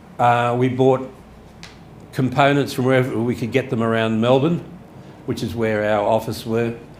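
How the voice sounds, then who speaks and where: A man speaks with fairly even intonation, and some room echo can be heard. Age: 70s. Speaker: computer engineer and author. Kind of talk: talk with Q&A. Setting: event talk with audience. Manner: hesitant with many fillers.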